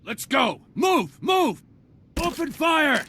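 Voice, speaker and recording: An actor playing a hard-edged renegade black ops squad leader in a video game, impatient and commanding. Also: male voice, very high-pitched, very animated, slow, shouting, noisy background, heavily acted. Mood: urgent, commanding.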